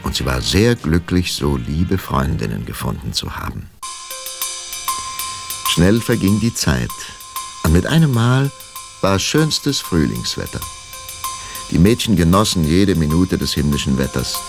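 A man narrating a children's radio play with expressive storytelling. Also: very deep voice, unhurried, creaky, long pauses, over music.

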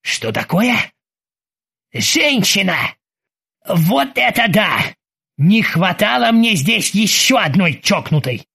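A man voicing a ship captain with a husky voice and dry, sarcastic commands. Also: sits high, very animated, slow pace, long pauses, bright, forceful tone, full character voice. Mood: ironic.

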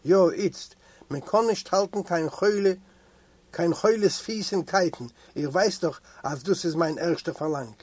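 A man reading aloud and voicing a gentle, fatherly prison doctor with a soft, mild voice. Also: sits high, a little slow, dry recording. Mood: firm.

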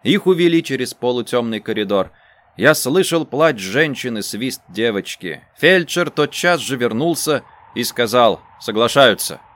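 A man reading a first-person story aloud in a subdued, low-key manner. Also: expressive, a little slow, fairly bright tone. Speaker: narrator. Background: faint music.

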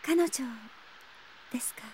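A woman's voice: measured pace, a little hiss or hum, lightly acted, rough recording. A woman playing a shy, timid teenage schoolgirl in an audio drama, polite and hesitant. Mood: dejected. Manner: hesitant, softly formal, apologetic. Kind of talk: Japanese audio drama acting.

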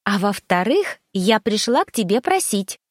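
A woman's voice: medium pitch, very animated, a little slow, no room sound, clean studio sound. A woman voicing a cheerful, bubbly young woman who talks playfully and pouts. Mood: eager. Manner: bright, playful, pouty.

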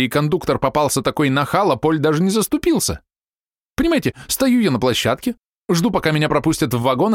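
A man doing a shrill, nagging woman. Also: dry recording, studio quality. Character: shrill, quarrelsome woman in her forties.

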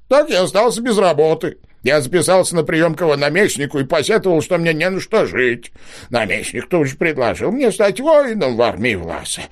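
Man doing a squeaky weepy old mayor. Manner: whiny, pleading, squeaky. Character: tearful old man mayor who cannot count.

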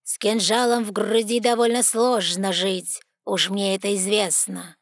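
A woman voicing a proud, sardonic male talking raven with a hoarse, croaking voice and a slow, cold, mocking manner. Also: mid-range voice, level tone, dry recording, studio quality, close to an everyday voice. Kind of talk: audiobook character voice.

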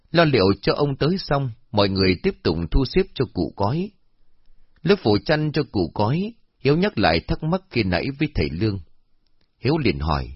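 A man narrating a horror story in a steady, expressive storytelling manner. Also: medium pitch, slightly rough, dry recording. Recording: dull lo-fi recording, faint music.

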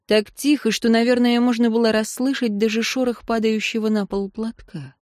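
A woman narrating a fantasy audiobook in a measured, expressive storytelling manner. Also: fairly high pitch, no echo, clean studio sound.

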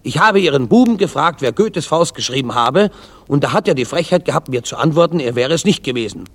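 Joke figure: an indignant teacher, high and sharp, played by a male comedian. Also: animated, fairly quick. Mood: angry. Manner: indignant, raised voice. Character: angry schoolteacher.

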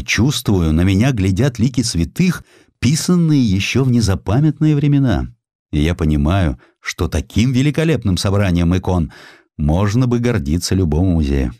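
Male audiobook narrator, lowish voice, very lively intonation, theatrical storytelling, historical sketch reading. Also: no echo, clean studio sound.

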